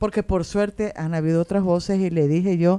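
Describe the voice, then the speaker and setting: A woman at medium pitch, dark and mellow in tone, fairly quick, with a dry, close sound with no echo and a quiet background. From Santa Cruz, eastern Bolivia. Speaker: radio host, journalist. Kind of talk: interview.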